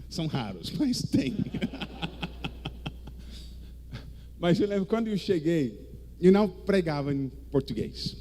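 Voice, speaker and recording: A male preacher with an English-speaking foreign accent, delivering a theatrical charismatic sermon in halting, non-native speech. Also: on the high side, very animated, warm tone, slight background noise. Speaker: guest preacher. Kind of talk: charismatic sermon in Portuguese as a second language.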